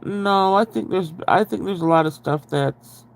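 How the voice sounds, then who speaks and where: A man talks in a loose, rambling livestream chat with a stuffy, congested nasal tone. His voice sits a little high and carries a gravelly, fry-heavy texture. He speaks right up against the microphone, so his breaths are audible. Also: unhurried. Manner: chatty, rambling, greets viewers. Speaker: livestream host. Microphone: very close to the microphone, breathing audible.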